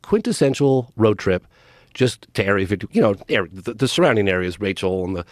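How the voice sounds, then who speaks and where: A man's voice: fairly low pitch, fairly quick, no echo, clean studio sound. A middle-aged man, a documentary filmmaker guest, telling a story in a casual podcast interview and acting out quoted dialogue. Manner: animated, acts out quoted dialogue.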